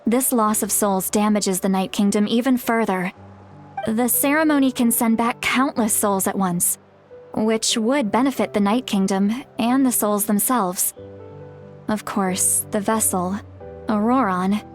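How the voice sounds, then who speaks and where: A woman's voice: mid-range voice, measured pace, close to an everyday voice. An actress playing a frank, self-deprecating tribal elder woman in a video game, speaking casually with wry, hesitant asides. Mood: serious. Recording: music behind the voice.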